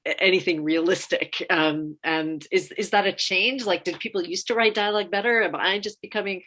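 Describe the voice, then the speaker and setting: A woman speaking as a panelist in an informal discussion, deliberate and halting as she thinks aloud. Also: lowish voice, fairly even intonation, fairly bright tone.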